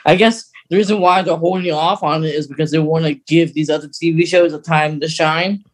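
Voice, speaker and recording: A man's voice: fairly high pitch, steady tone, fairly quick. A man co-hosting a podcast in casual, chatty conversation, explaining things like an enthusiast. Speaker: podcast co-host. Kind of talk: casual chat.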